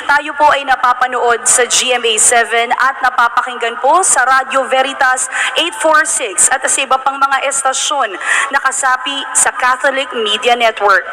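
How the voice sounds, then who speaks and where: A woman's voice: high voice, background noise. A woman with a Filipino accent hosting a religious broadcast, reading solemn scripted narration in a formal, reverent way. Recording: background music under the voice. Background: music.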